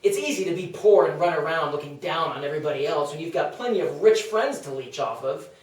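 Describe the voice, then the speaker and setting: A man's voice: a little high, expressive, quick pace, lightly acted. A man playing a brash, scornful Athenian skeptic in a comedic table read, speaking with theatrical sarcasm. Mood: scornful, sarcastic. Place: small indoor meeting room. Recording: roomy, distant meeting-room pickup.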